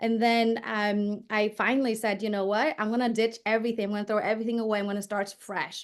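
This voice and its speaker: In a Vietnamese accent, a woman with a fairly high pitch talks at a very fast pace with hardly any pauses and monotone, flat intonation against a quiet background. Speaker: performance coach. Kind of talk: interview.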